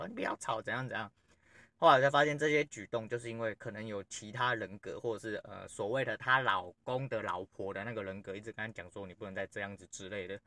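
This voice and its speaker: Fast-talking man telling a story. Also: lowish voice, pushed and bright, dry recording. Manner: rambling, blunt, swears freely. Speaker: podcast host. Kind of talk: casual storytelling monologue.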